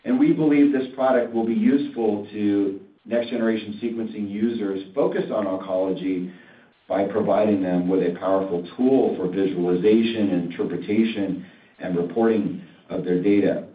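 A man working as a company executive, reading a scripted earnings presentation in a formal, measured way. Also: lowish voice, steady tone. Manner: formal, measured read-out delivery. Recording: roomy, distant, tinny phone-line sound.

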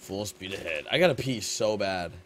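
Joking, excitable young male gamer. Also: lowish voice, normal speed. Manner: joking, excitable, chanting repeated phrases. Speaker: gameplay streamer. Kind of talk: casual multiplayer game chat. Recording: faint background music.

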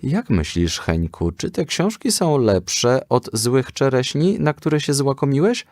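Man reading as a firm, slow-spoken storybook mother. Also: medium pitch, very animated, darkish tone, no room sound, studio quality, voice pushed up. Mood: admonishing. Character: calm, firm, moralizing mother of a boy.

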